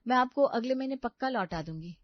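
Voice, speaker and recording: A young daughter-in-law in an animated family story, played by a woman, suspicious and aggrieved. She speaks high and complaining. Dry, slightly dull sound. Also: fast, no echo, lightly acted.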